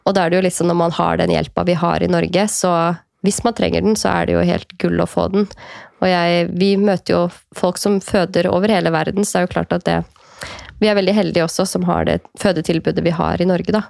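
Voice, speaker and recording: A woman's voice: fairly low pitch, fairly even intonation, vocal fry, darkish tone, no echo, clean studio sound. A woman in her thirties chatting as a guest, talking in a reflective way with many fillers and quoted thoughts. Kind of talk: casual conversation.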